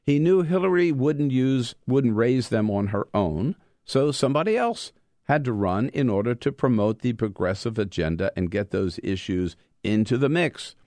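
A man who is an author reading from his own book, mixing measured, emphatic delivery with informal storytelling. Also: medium pitch, lively intonation, a little mellow, no echo.

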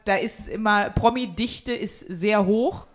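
A woman's voice: mid-range voice, slow. A woman from Germany's Ruhr area hosting a casual podcast chat indoors, with a cheeky, teasing, slangy way of talking. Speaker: podcast host. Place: indoors at a home.

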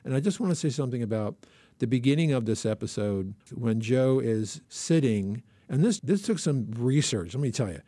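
A man's voice: medium pitch, expressive, normal speed, mellow, no echo. A man co-hosting a podcast, talking casually and rambling with frequent restarts. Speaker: podcast co-host. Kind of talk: casual chat.

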